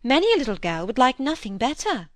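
A woman's voice: high voice, very animated, fairly quick, a bit bright, dry recording, studio quality, voice pushed up. A woman reading an audiobook, voicing a breezy, self-absorbed widow who chatters on in a lightly condescending way. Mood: chatty. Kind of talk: audiobook character voice.

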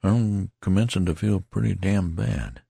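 A wounded rustic soldier, as a male reader puts him on, musing in a folksy, homespun drawl. The voice is lifted from a very deep, gravelly base and stays slightly husky. It sounds close and dry. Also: measured pace, mellow, no echo, exaggerated voice. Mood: wry.

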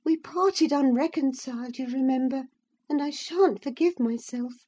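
A fierce, wounded young woman, put on by a woman reading aloud, her voice pitched high and strained. She rushes through angry outbursts, breathless and spiteful. The tone stays soft and mellow under the agitation. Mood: bitter.

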